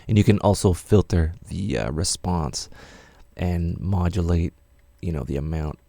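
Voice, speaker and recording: A man's voice: low voice, unhurried, vocal fry, dark tone. A man teaching music production in a casual, rambling tutorial with many fillers.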